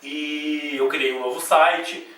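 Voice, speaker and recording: A man's voice: on the high side, fairly even intonation, a bit bright, distant mic. Brazilian man teaching in an echoey room. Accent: Brazilian Portuguese. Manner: explains step by step with frequent checks like "né?" and "tá?"; spells out sounds and syllables slowly. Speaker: grammar teacher. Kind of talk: video lesson at a whiteboard. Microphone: camcorder mic away from the speaker.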